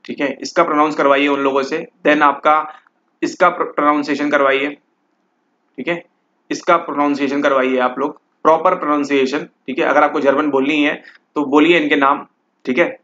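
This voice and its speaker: A man's voice: fairly high pitch, fairly even intonation, fairly quick, pushed and bright. A man teaching exam questions, mixing English into Hindi and constantly checking in with the listener as he explains. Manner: repeats "ठीक है" constantly, mixes English and Hindi. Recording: slightly dull lo-fi audio.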